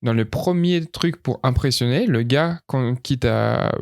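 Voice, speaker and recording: A man's voice: mid-range voice, unhurried, creaky, a little mellow, no echo. Man chiming in, dry close sound. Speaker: podcast co-host. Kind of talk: casual chat.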